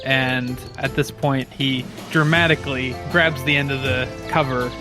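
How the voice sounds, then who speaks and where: A man's voice: mid-range voice, steady tone, a little slow, over music. Casual man telling a game story. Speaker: player in a tabletop roleplaying game.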